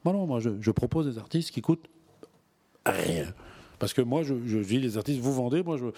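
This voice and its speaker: A man's voice: medium pitch, lively intonation, quick pace, dark tone. A man, a gallery owner speaking in a casual interview, emphatic and passionate, often repeating words as he searches. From Belgium. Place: art gallery.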